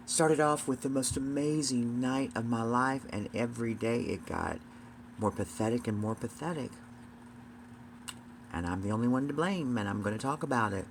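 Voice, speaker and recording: A man's voice: medium pitch, slight background noise. A man talking confessionally to fans in a campy, theatrical, emphatic way, repeating phrases for effect. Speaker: video blogger.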